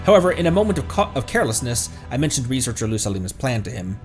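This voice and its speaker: Guy on a game stream reading text out loud, trips on big words, some music playing. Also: mid-range voice, very animated, fast. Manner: stumbles over long words while reading. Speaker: streamer, video game player. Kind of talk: reading game text aloud with asides on a livestream.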